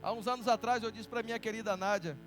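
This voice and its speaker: A man preaching a sermon in church with a Brazilian accent, animated and teasing as he calls on the congregation to answer back. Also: high voice, fast talker, soft background music. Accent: Brazilian Portuguese. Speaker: pastor.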